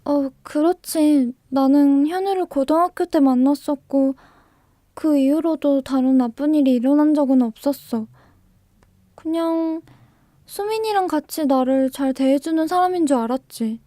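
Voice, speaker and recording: A woman's voice: high-pitched, a little slow, mellow, dry recording, studio quality. A woman playing a guarded, earnest young female student in a radio drama, speaking and narrating a little hesitantly. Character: guarded, soft-natured young female student with a hidden past. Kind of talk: radio drama dialogue and first-person narration.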